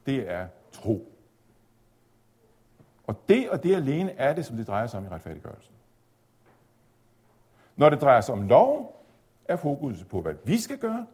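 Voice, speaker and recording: A man giving a measured, explanatory theology lecture, at times pausing on fillers. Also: medium pitch, huge pitch swings, a little mellow, slightly rough. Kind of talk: spoken lecture on Luther's reading of Galatians.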